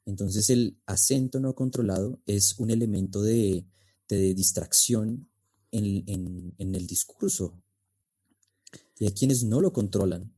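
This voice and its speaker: A man's voice: on the low side, slow, warm tone. A man speaking as a podcast guest and speech coach, explaining in an emphatic way with rhetorical questions. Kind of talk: podcast interview.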